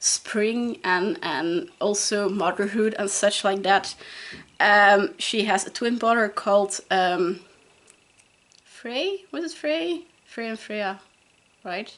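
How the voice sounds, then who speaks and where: Speaking very slowly in a Flemish accent, a woman uses lively intonation at a medium pitch. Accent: Belgian (Flemish) English. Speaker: YouTuber. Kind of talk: casual unboxing talk to camera.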